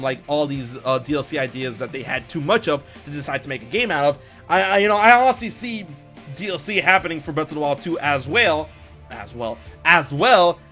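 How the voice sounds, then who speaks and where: Excitable bright-voiced man gushing about games. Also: on the high side. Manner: excitable, restarts and repeats words when heated. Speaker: podcast host. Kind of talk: casual gaming chat.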